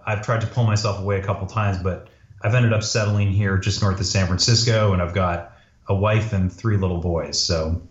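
Low-voiced man in a roomy, dull recording. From Canada. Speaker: podcast guest, entrepreneur. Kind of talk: casual interview answers. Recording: roomy, slightly dull audio.

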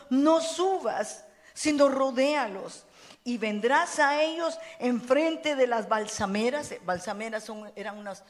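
Woman pastor preaching in a reverberant hall. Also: a little high. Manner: preaches with call-and-response questions to the congregation. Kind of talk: sermon. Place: church hall. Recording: long reverb of a church hall.

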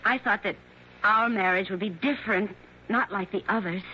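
A woman's voice: mid-range voice, sharp tone, close to an everyday voice. An actress playing an anxious, hesitant young wife in her twenties, in a 1960s radio drama. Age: 20s. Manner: halting, faltering, worried speech. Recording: dull old radio broadcast with faint hiss.

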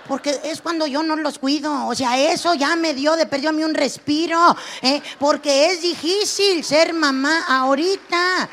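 A woman's voice: high-pitched, unhurried, hardly any pauses, a bit bright. A middle-aged woman from northern Mexico with a northern Mexican accent, doing a brash, salty stand-up monologue and acting out scolding mothers. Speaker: stand-up comedian.

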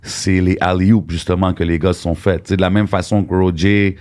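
A man's voice: deep voice, little pitch movement, fairly quick, a little mellow. A man co-hosting a casual chat, easygoing, asking questions and mixing in English. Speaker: podcast co-host.

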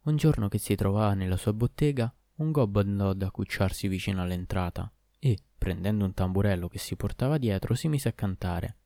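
A man reading a folk tale aloud as narrator, in a measured storybook way. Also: fairly low pitch, mellow, no echo, studio quality.

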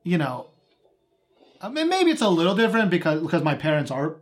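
A young man from Texas chatting casually as a co-host, animated and swearing freely, with quick asides. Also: fairly high pitch. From Texas, USA. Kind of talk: casual chat.

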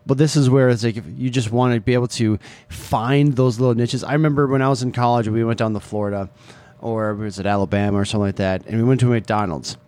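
A man's voice: mid-range voice, fairly even intonation, fast, a little mellow. Chatty middle-aged Midwestern man. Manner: chatty, teasing, rambling with restarts. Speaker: podcast co-host, parent. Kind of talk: casual chat.

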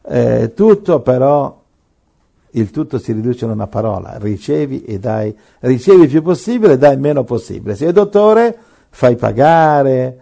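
Middle-aged male pastor, gravelly, dark mellow tone, joking radio preacher. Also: medium pitch, moderate pace. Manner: animated, joking, with rhetorical questions.

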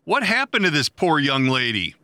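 Podcast co-host, middle-aged man, bright, forceful voice, dry close sound, animated joking delivery. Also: on the high side, normal speed, dry recording. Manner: joking, animated, laughs often. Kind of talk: casual chat.

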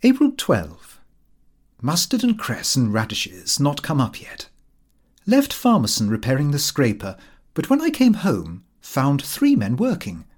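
British man reading with very lively intonation. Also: medium pitch, measured pace. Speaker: audiobook reader. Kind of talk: scripted narration of a comic fictional diary, read in character as the diarist.

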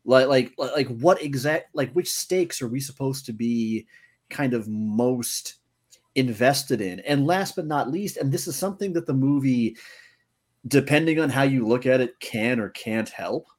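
A man co-hosting a movie review podcast, talking casually and deliberately, often restarting his sentences. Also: mid-range voice, lively intonation. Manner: deliberate, pausing with repeated restarts.

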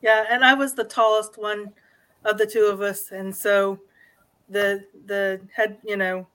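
Brief: woman, guest paranormal investigator, halting casual chat with many fillers. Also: mid-range voice, little pitch movement, fairly bright tone, low-quality recording. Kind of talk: casual podcast conversation.

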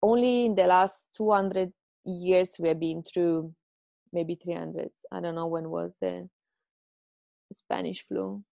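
A woman's voice: fairly low pitch, steady tone, takes it slowly, creaky, dark tone, no echo. A woman from Italy with an Italian accent, giving chatty, self-mocking encouragement as a podcast host at home. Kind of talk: casual advice monologue.

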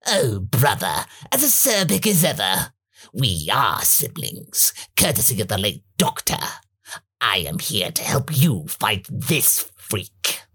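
A man voicing a cold, scheming insect-like male android, in a husky, whispery, slow and silky voice. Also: lowish voice, very animated, pushed and bright, voice pushed down, full character voice.

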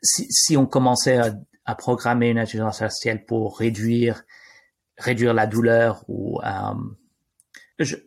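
A man with a gravelly, creaky voice at an average pitch and a foreign accent in French, which is not his native language. He explains ideas off the cuff as an interview guest, halting, repeating and rephrasing as he searches for words. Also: little pitch movement. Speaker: interview guest, AI risk expert.

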